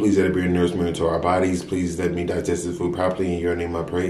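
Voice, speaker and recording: In a room with audible echo, a man with a very deep, low pitch talks at a very fast pace. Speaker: mukbang vlogger. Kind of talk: casual vlog chat.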